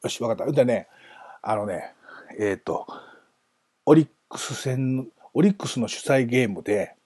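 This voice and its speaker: A man's voice: medium pitch, animated, normal speed, a little mellow, husky, no room sound. A man hosting a casual solo talk, chatty and self-amused, wandering off into asides. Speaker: podcast host.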